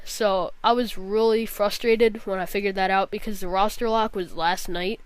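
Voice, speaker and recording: A woman's voice: mid-range voice, steady tone, normal speed, clear, resonant tone, no room sound, rough recording. A young woman with a nasal, congested voice from a cold, giving a casual, rambling gaming vlog. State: sick with a cold, scratchy throat, nasal. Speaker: gaming vlogger.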